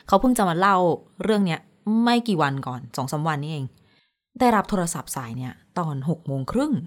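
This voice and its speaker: A woman radio host telling a news story in casual chat, animated when quoting. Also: fairly low pitch, a little fast.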